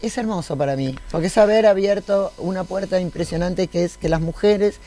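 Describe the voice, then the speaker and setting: A woman's voice: lowish voice, fairly quick, mellow. An Argentine woman, a cartoonist, talking emphatically and passionately on a panel. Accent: Argentine Spanish. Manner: passionate, emphatic, often laughing. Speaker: guest cartoonist. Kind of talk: panel conversation.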